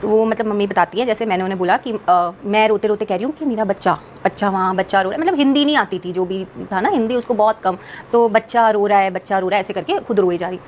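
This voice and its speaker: A woman's voice: medium pitch, quick pace, hardly any pauses, slight background noise. A woman, a singer, telling a personal story as a podcast guest in an earnest, rambling way, with English words mixed into her speech.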